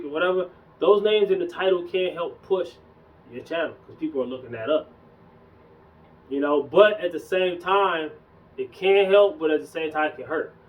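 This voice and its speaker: A young man casually talking in a relaxed, slangy way as a fitness vlogger, a bit hoarse from losing his voice. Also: on the high side, distant mic, lo-fi sound. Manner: loose, conversational, slangy. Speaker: fitness YouTuber. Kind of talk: casual vlog chat.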